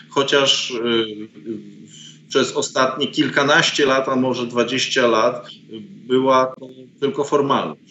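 A man's voice: medium pitch, a bit bright, slight background noise. A middle-aged man, a professor, speaking as a guest on a political video call from his home study, hesitant with many filler sounds and indignant in tone. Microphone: video call webcam. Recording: roomy, dull lo-fi call audio.

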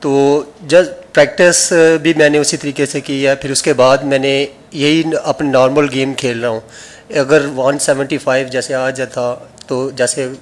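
A young man, a cricket player quietly answering questions at a press conference. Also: medium pitch, little pitch movement, a little slow. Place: indoor press conference room. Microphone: table microphone.

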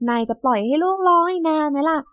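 A woman doing a bossy, high-voiced young mom. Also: animated, quick pace. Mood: nagging. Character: young mother, fussy and bossy. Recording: tinny phone-like sound.

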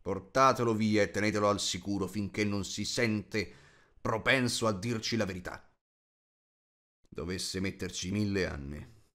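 A man voicing a severe, imperious elven king in an audiobook, slow and commanding. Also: fairly low pitch, fairly bright tone. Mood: angry, dismissive. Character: stern, imperious elven king interrogating a captive.

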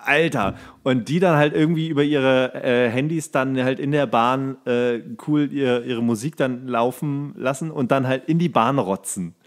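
A man co-hosting a podcast speaks at a middle pitch. His talk is casual and joking, and he likes to act out imagined quotes with some mockery. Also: normal speed, few pauses. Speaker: podcast co-host.

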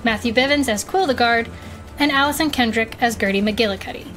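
A woman announcing the credits of an audio drama in an even, scripted way. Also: on the high side, fairly quick, faint music behind.

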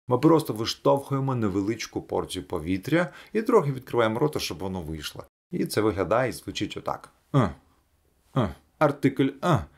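A man teaching English pronunciation in a video lesson, demonstrating sounds slowly and clearly. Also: on the low side.

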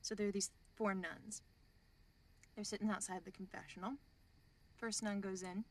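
A woman's voice: mid-range voice, level tone, normal speed, lightly acted. An actress playing a profane woman in a crew of criminals, laying down the law and telling a crude joke. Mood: amused. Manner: profane, bossy, tells a joke. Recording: voice a bit off-mic.

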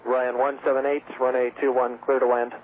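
Male controller, flat clipped delivery on a thin phone-like radio channel. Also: mid-range voice, fairly quick. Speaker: air traffic controller. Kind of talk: clipped air traffic radio instructions. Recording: tinny, noisy air traffic radio.

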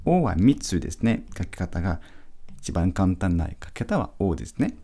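A male teacher giving a patient pronunciation lesson, repeating each sound slowly for practice. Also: sits low, very animated, dark tone. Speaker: French teacher.

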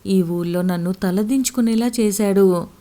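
A woman voicing a stern, proud middle-aged village father who scolds and shouts in fury. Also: medium pitch, moderate pace, lightly acted. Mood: furious.

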